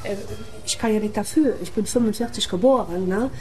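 A woman's voice: mid-range voice, a little fast, a little mellow, a little hiss or hum, poor audio. An older woman from Germany, chatting through her memories in an interview, acting out the voices she quotes and tagging her sentences with little questions. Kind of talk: recounting memories in conversation.

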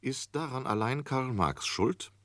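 A man narrating a scripted radio feature in a formal, deliberate manner. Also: mid-range voice, animated, a bit bright, dry recording, studio quality.

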